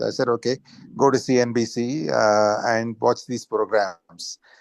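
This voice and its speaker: This is a man speaking. He has a Telugu accent. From Andhra Pradesh, India. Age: 60s. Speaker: volunteer mentor, retired executive. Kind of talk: casual chat. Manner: halting.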